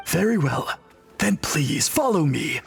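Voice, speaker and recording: An actor playing a dutiful, courteous tribal priest in an anime game, speaking formally and earnestly with a husky voice. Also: male voice, on the high side, big pitch swings, slow, faint music behind, exaggerated voice.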